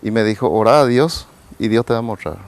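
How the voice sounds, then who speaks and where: A man's voice: fairly low pitch, fairly quick. A man, a pastor giving a rambling personal testimony in an interview, tagging his phrases with a questioning "right?". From Paraguay. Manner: rambling storyteller, tags nearly every phrase with a questioning "right?". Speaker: pastor and evangelist, interview guest.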